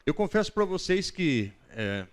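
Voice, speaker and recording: A man's voice: fairly high pitch, very animated, unhurried. A Brazilian man teaching a Bible class in a conversational, didactic lecture style, often putting questions to his listeners.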